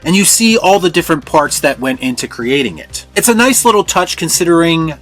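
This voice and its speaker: A man delivers scripted review commentary as a host. His voice sits a little high for a man, with light music playing underneath. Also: big pitch swings, fairly quick, fairly bright tone. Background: background music.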